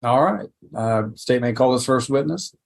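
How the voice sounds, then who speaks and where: In a courtroom recording, a male judge with a mid-pitched voice and some vocal fry runs a hearing at a moderate pace. Animated, he works through procedure using short prompts and plain questions.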